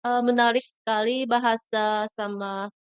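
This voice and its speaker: A young woman with a Japanese accent, a native Japanese speaker using Indonesian as a foreigner, in simple halting phrases as an interview guest. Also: on the high side, fairly even intonation, clear, resonant tone, no room sound, muffled recording. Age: young adult. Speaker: guest, visiting student. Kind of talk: self-introduction in an interview.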